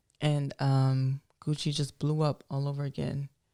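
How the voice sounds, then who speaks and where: In a New Orleans accent, a woman speaks in a dry, close sound with no echo. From New Orleans, US South. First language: sign language. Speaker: podcast host's wife, luxury retail sales associate. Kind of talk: casual chat.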